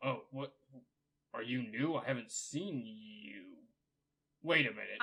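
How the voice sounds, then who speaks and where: Using a put-on character voice, a man at a medium pitch speaks at a fairly slow pace. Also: big swings in loudness. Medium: actual play. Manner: suspicious.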